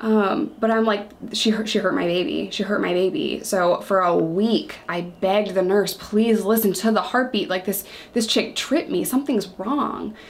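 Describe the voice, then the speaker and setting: Delivered at a moderate pace, this is an ordinary speaking voice with an American accent. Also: woman, medium pitch for a woman, ordinary pitch variation. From upstate New York. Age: 30s. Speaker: former prisoner and YouTuber. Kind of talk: interview testimony.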